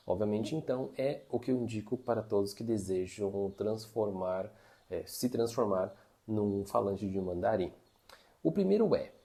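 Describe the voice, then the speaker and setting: Gravelly-voiced man teaching casually. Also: mid-range voice, warm tone. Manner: chatty, uses many fillers like "né" and "tá". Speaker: Mandarin teacher. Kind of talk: casual teaching monologue to camera.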